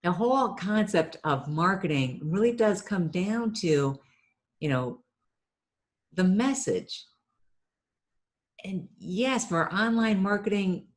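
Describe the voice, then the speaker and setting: On the low side with a darkish tone, this middle-aged Ohio woman, owner of a marketing business, is a chatty storyteller in an interview. Restarts come with a repeated word.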